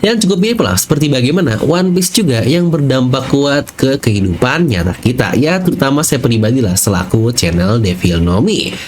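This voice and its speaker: Indonesian male YouTube narrator, very animated mid-range voice, chatty and playful, slight noise behind. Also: mid-range voice, normal speed. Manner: chatty, playful, addresses viewers directly. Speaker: YouTube channel host. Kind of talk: anime theory video narration with casual slang asides.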